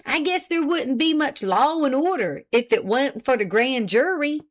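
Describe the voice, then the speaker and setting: A woman's voice: mid-range voice, very animated, unhurried, a bit bright. A woman voicing a pompous, self-important old farmer husband with an indignant, boastful rural drawl.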